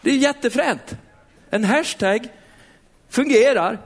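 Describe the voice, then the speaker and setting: A middle-aged man preaching a sermon in a church, lively, putting questions straight to the congregation. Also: extremely high pitch.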